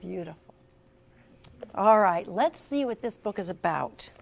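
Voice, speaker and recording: Slow, animated woman storyteller for children. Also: mid-range voice, creaky. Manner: encouraging, teacherly, theatrical emphasis. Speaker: storyteller and author. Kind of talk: interactive read-aloud to young children. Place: in front of a class of children.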